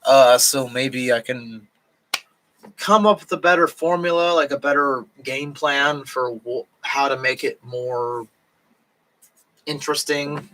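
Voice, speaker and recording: A drunk man talking on a late-night live stream from home in Japan, rambling and halting, with lots of fillers and restarts and a voice that is starting to go hoarse. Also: mid-range voice, pushed and bright, low-quality recording. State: voice going hoarse.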